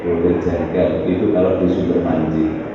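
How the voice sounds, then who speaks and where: A man's voice: sits low, moderate pace. A man with a Javanese accent giving a motivational talk to teachers as a trainer, telling stories and putting questions to the audience. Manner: animated storyteller, asks the audience questions. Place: village hall. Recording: echoey hall, far-off dull mic, noisy.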